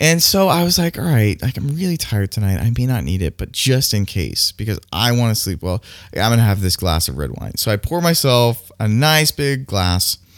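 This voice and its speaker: Talking at a moderate pace with hardly any pauses, a man with an American accent and a medium-pitched voice makes very wide pitch swings, in a very clean recording with a silent background and a dry, close sound with no echo. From Southern California. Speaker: actor and comedian. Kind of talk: casual chat. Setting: studio. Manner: halting.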